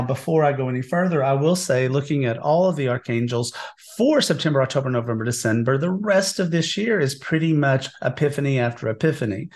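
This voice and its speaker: A man hosts a tarot podcast in a chatty, enthusiastic way, with the odd filler word. His voice is slightly sniffly and scratchy because he is getting over a cold. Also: mid-range voice. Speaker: podcast host, tarot reader. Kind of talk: casual podcast talk.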